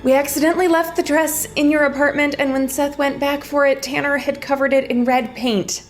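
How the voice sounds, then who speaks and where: A woman's voice: high voice, fairly even intonation, brisk, close to an everyday voice. A woman playing a bossy but concerned sister in an audio drama, speaking in a blunt, sarcastic, insistent way. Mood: exasperated. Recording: music underneath the voice. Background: background music.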